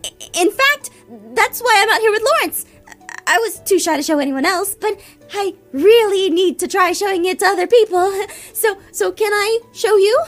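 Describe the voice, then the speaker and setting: A woman doing a very high flustered teen girl. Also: expressive, normal speed, fairly bright tone, faint music behind. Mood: pleading. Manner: nervous, stammering, flustered. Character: flustered anxious teenage girl. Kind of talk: voiced animated roleplay.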